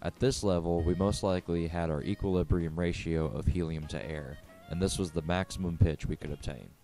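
A man with a low, mellow voice briskly narrates a scripted physics lesson, explaining it methodically step by step while music plays in the background.

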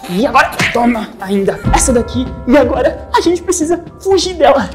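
A playful woman from Brazil chats through a video game for her viewers, her voice sitting on the higher side. She is excitable and giggly and keeps calling out to her audience. Faint music plays behind her. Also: a little fast. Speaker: gaming YouTuber. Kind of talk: playful let's-play commentary.

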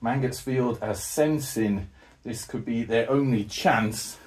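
A man calls a tabletop football match in a lively, joking play-by-play, jumping to sudden shouts when a shot goes close. He sounds a little out of breath from the heat. His voice sits at an average pitch and comes from some distance off the mic. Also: slow pace, a little hiss or hum. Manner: excitable, jokey, with sudden loud outbursts. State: out of breath, hot. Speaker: host and commentator of a tabletop football game. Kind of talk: solo play-by-play commentary.

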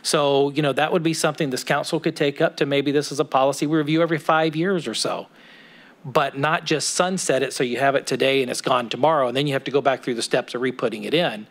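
Speaking into a desk microphone in the council chamber, a middle-aged city council member builds his case one point at a time, persuasive throughout. His voice is medium-pitched and steady, and he talks fast.

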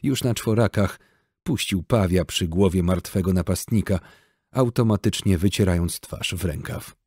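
A man reading an audiobook in steady, measured scripted narration. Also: low voice, breathy edge, no echo, clean studio sound.

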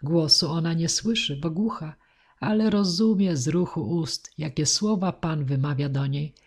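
A woman voicing a kindly, patient female teacher of deaf children, explaining gently. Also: low voice, unhurried, breathy edge, exaggerated voice.

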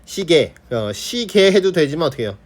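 A male teacher with a voice on the high side and big pitch swings speaks at a moderate pace. He gives an online Korean grammar lesson on pronunciation, demonstrating sounds and constantly checking in with students.

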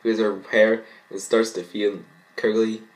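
Young guy reading fanfic out loud in his bedroom, halting, trips on words. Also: lowish voice, flat delivery, low-quality recording. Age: young adult. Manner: halting, stumbling over words. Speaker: vlogger. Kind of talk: reading fan fiction aloud with mocking commentary. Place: small bedroom indoors.

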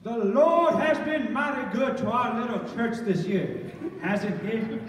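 A man playing an earnest small-town pastor preaching in measured phrases in a stage radio play. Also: extremely high pitch. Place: large church auditorium, recorded from the audience. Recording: echoey hall from far off, faint noise.

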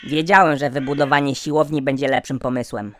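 A woman's voice: very deep voice, steady tone, a little fast, a bit bright. A woman voicing a cocky little pig in a cartoon, casual and dismissive. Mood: cocky, unbothered. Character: unbothered, cocky gym-going little pig.

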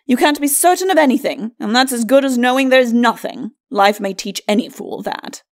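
A woman's voice: fairly high pitch, normal speed, lightly acted. A woman voicing a bickering undead skeleton lord in a storybook, haughty and mocking in archaic aristocratic speech. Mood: mocking, sardonic. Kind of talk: storybook character acting.

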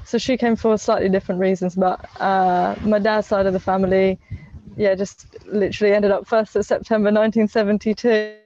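A woman's voice: medium pitch, little pitch movement, brisk, a little mellow, no echo. A young woman, chatting casually as a podcast guest, with lots of fillers and restarts. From England. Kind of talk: casual interview chat. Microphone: earphone mic on a video call. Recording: lo-fi video call audio.

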